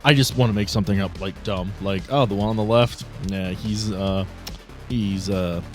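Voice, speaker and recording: Low-voiced man running a tabletop game. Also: normal speed, a little mellow, faint music behind. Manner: casual, explanatory, joking asides. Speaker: game master. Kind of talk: improvised narration of a tabletop role-playing game.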